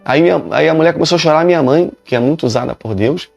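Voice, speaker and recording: Pastor telling his testimony, raspy fry in his voice, faint music in the back. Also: a little high, fast talker, a little mellow, no echo. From Rio de Janeiro, Brazil. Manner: emphatic storytelling with repetitions. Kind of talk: preaching a personal testimony.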